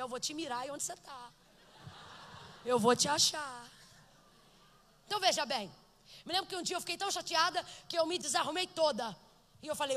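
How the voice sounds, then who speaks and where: A woman with a Brazilian Portuguese accent preaching a fervent sermon, building to loud emphatic peaks. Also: high voice. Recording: long reverb of a church hall.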